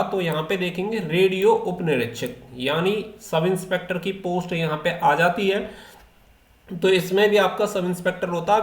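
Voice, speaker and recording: A man presenting an informal educational explainer, reading out official rules and then restating them step by step in a repetitive way. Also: high-pitched. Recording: echoey, reverberant room.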